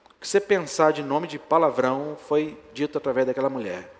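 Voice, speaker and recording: A male pastor preaching a sermon, telling a story with lively acted-out dialogue. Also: on the high side, a little fast. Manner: animated, acts out dialogue in his stories. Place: church sanctuary. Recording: reverberant church hall.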